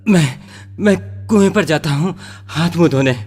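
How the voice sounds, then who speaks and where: A man playing a sick, exhausted labourer father, speaking haltingly in a radio play, with a reverberant echo. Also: fairly high pitch, darkish tone, slightly rough. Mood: weak, dejected. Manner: halting, weary. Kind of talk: Hindi radio play acting.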